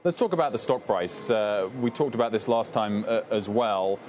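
Young male anchor, brisk and probing. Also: on the low side, animated, a little mellow, a little hiss or hum. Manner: brisk, probing questions with filler ums. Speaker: TV business anchor. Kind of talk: TV business interview. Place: trading floor TV studio, indoors.

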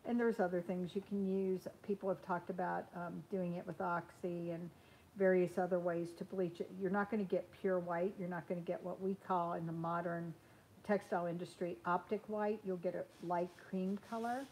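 A woman's voice: fairly low pitch, little pitch movement, normal speed, darkish tone, slight background noise, rough recording. A woman in her sixties chatting casually on a live stream while hand sewing at a table in a small sewing room, with frequent ums and restarts.

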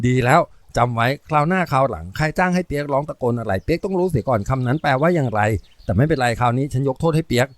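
A man voicing a grown male hero who scolds a child in a calm, teasing way. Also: mid-range voice, fast, few pauses, no echo, lightly acted. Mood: amused.

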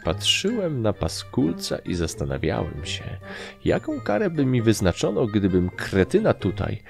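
Deep gravelly male audiobook narrator. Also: huge pitch swings, measured pace, a little mellow, faint music behind. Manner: dry, wry storytelling. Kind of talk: first-person audiobook narration.

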